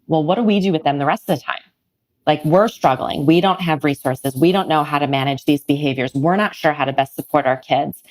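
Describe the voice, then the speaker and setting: A middle-aged woman speaking as an expert podcast guest, conversational, articulate and explanatory. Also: low voice. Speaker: child psychologist, podcast guest. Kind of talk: conversational interview, personal narration.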